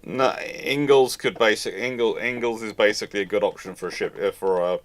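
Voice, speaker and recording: A man's voice: fairly low pitch, fairly quick. A man hosting a live question-and-answer chat, talking in a rambling way and often repeating and rephrasing himself. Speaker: host answering audience questions.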